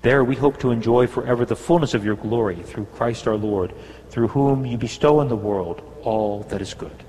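A male priest reciting the Mass prayers in a large church, in a measured, solemn way. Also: mid-range voice, mellow. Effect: cathedral echo, long reverb. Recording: long cathedral reverb with a faint hum.

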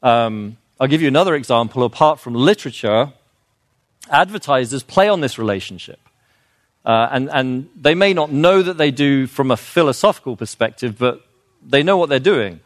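A man's voice: mid-range voice, lively intonation, normal speed, no room sound, clean studio sound. A man giving an informal, earnest lecture, explaining with fillers and restarts and growing emphatic on his key points. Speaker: speaker on children's literature.

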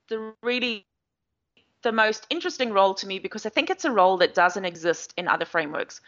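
Here a South African woman with a medium-pitched, fairly bright voice talks as an agile coach in an interview. Her answers run long and chatty, explanatory and packed with fillers, and the recording comes across a little dull.

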